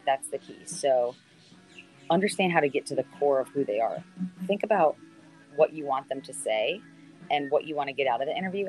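A woman in her thirties with a naturally deep voice, a sideline reporter chatting on a video call, sprinkling her answers with ums and restarts. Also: darkish tone, poor audio. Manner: conversational, lots of fillers and restarts. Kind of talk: answering student questions on a call.

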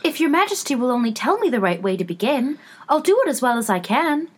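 A woman's voice: high-pitched, very animated, quick pace, breathy edge, pitched above the performer's own voice, full character voice. A woman voicing a polite, puzzled young storybook girl, speaking timidly and courteously, often questioning.

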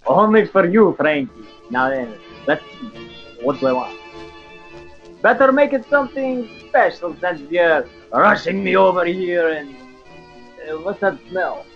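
A swaggering, crude drunk man, acted out by a male actor in an audio drama, always ready for a fight. His voice sits a bit high, and the sound is slightly dull with faint music behind. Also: animated, measured pace. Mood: cocky, placating. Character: cocky, belligerent drunk man itching to fight. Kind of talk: audio fiction acting.

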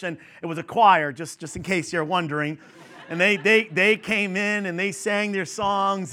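A man in his fifties from New York, a pastor giving a conversational sermon to his congregation with chatty asides and fillers. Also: high voice. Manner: conversational and warm-humored with the congregation, many fillers.

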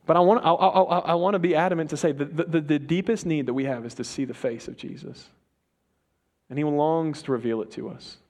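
A young man preaching a sermon in a relaxed, conversational way, with quick asides and slang. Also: on the high side. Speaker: pastor.

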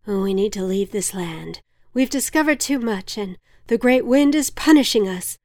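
A woman's voice: medium pitch, animated, moderate pace, no echo, natural voice. An anxious man mutters fretfully to himself, as a woman narrator puts him on. The voice stays near the narrator's own. It is a storybook figure recorded close and dry.

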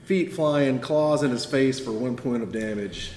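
Slow game master in echoey room. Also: male voice, medium pitch, darkish tone. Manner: amused, unhurried narration. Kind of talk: narrating a tabletop game. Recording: echoey room with faint ambience.

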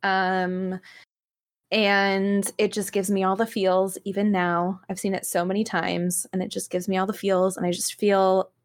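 A woman's voice: medium pitch, level tone, measured pace. A woman on a podcast panel chatting casually and gushingly, often correcting herself as she goes. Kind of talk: casual chat.

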